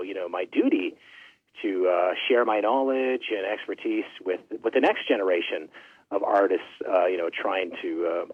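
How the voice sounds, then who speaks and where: A middle-aged man from Canada, a record label owner, chatting as an interview guest with a friendly, halting manner full of fillers. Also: lowish voice, no room sound. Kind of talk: casual interview chat. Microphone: phone line. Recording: tinny phone-line audio.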